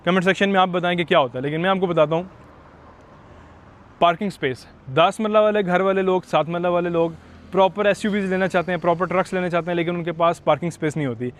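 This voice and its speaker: A man's voice: sits high, fast talker. A man with a Pakistani Urdu accent hosting a walkthrough house tour outdoors. He chats directly to viewers and drops English phrases into his talk. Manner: chatty, code-switching into English, addresses viewers directly.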